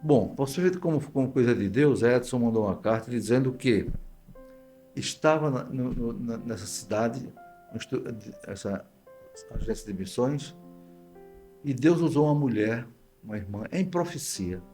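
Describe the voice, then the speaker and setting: A man's voice: medium pitch, animated, moderate pace, mellow, soft background music. An older man with a Northeastern Brazilian accent, a guest pastor telling stories conversationally, repeating phrases and acting out quoted dialogue. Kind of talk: conversational storytelling interview.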